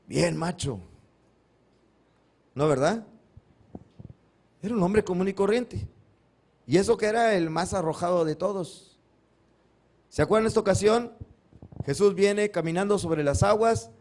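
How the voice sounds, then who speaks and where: A man's voice: sits high, a little slow, long pauses, darkish tone. Man preaching, questioning his congregation. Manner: asks the congregation questions and answers them himself; acts out biblical cries dramatically. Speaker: pastor. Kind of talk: Sunday sermon.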